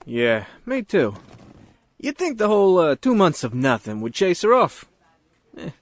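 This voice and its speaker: An actor playing an easygoing, joking police officer in a naturalistic audio drama, with informal, slightly hesitant delivery. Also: male voice, sits high, sing-song, unhurried. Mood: casual, joking.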